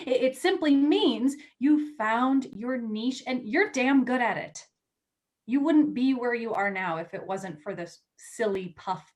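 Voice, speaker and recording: Brisk, teasing, high-voiced woman magazine editor, acted. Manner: blunt, wry. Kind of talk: acted play reading.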